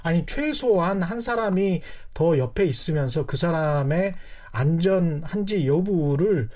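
A man's voice: a little high, animated, a little slow, darkish tone. A man in his forties hosting a casual discussion, attentive and giving many short acknowledgments. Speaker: host.

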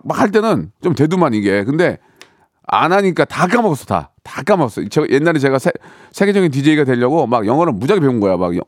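A man's voice: mid-range voice, darkish tone, no room sound, clean studio sound. A middle-aged man hosting a radio talk show, chatting playfully in a repetitive, joking way and reading out listeners' messages. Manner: chatty, playful, repetitive, slips into mock voices and sung bits. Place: radio studio. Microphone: studio microphone.

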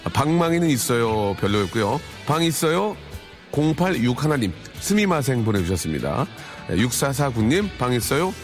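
A man's voice: medium pitch, sing-song, moderate pace, soft background music. A man hosting a radio show in casual chat, reading out listener messages with wry, chatty reactions.

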